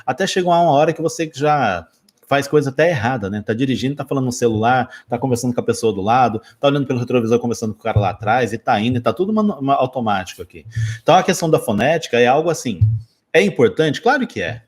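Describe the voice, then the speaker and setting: A male English teacher from Brazil with a Brazilian Portuguese accent, chatting through a lesson in a loose, lively way. He keeps a medium pitch, moves fast through quick asides and jokes, and often stops to correct himself mid-sentence. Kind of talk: casual spoken lesson.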